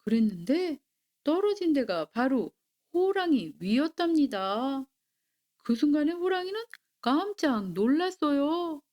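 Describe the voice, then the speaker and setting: A woman's voice: high voice, big pitch swings, a little mellow. A woman narrating a traditional folktale as a soothing bedtime story. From Korea. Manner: slow, soothing, sing-song storybook delivery.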